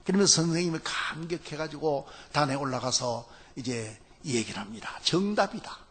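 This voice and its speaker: A male pastor telling a story in a Sunday sermon, unhurried and full of hesitant fillers between phrases. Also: medium pitch, fairly bright tone, slightly rough.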